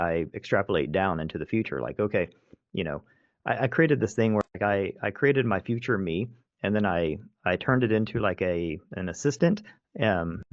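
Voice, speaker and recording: A man's voice: on the low side, dry recording. A man hosting a podcast, talking casually and rambling with many restarts and fillers. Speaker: podcast host. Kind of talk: casual conversation. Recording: dry muffled podcast audio.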